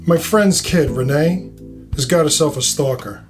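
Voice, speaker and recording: Man acting a higher-voiced wisecracking New York detective. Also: measured pace, music in the background, natural voice. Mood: concerned. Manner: smartass, blunt. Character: middle-aged wisecracking male New York police detective. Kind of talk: audio fiction character dialogue.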